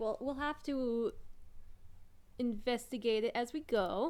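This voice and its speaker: Speaking quietly at a fairly slow pace, a woman uses a high pitch with ordinary pitch variation. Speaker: video game streamer. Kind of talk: live gameplay stream commentary. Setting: live stream. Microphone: voice sounds good on stream.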